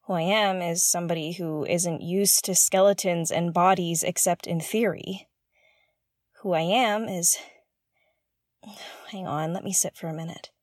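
A woman's voice: lowish voice, steady tone, unhurried, dry recording, studio quality, close to an everyday voice. A woman playing a nervous, curious young investigator on a derelict spaceship in an audio drama, talking hesitantly and earnestly. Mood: anxious, earnest. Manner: hesitant, self-correcting, chatty and earnest. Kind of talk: audio drama, confessional log to listeners.

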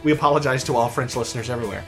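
A man's voice: mid-range voice, fairly even intonation, rapid-fire, music in the background. A man co-hosting a podcast in casual chat, rambling and hesitant with lots of laughter. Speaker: podcast co-host.

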